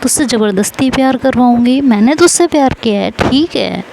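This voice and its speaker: A woman's voice: on the high side, animated, moderate pace, gravelly, noisy background. Woman doing a coaxing young friend. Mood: consoling. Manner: coaxing, affectionate. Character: young woman friend, teasing then tender, confesses love.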